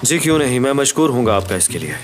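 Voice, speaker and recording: A man voicing a carefree young heir in a dubbed TV drama. His mid-pitched voice is cocky and playful. Music runs clearly underneath. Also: animated, quick pace, natural voice. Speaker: company director.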